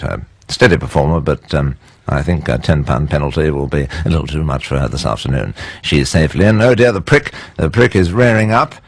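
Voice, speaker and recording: A man's voice: low voice, gravelly, dry recording, studio quality, heavily acted. A man playing an earnest horse racing commentator, calling the field with a straight face. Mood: measured, deadpan. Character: deadpan horse racing commentator, building to frantic excitement.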